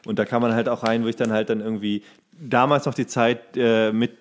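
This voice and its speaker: A man's voice: mid-range voice, fairly even intonation, fairly quick. A young man co-hosting a podcast, telling bar anecdotes in colloquial, slangy speech and acting out what people said. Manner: colloquial, slangy, acts out quoted remarks. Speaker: podcast co-host.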